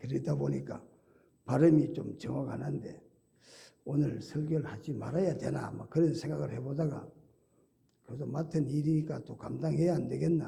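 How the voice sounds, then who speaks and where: A man with a Gyeongsang accent at a moderate pace, long, frequent pauses and audible room echo. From Gyeongsang region, Korea. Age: old. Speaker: retired senior pastor. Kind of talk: sermon. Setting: church.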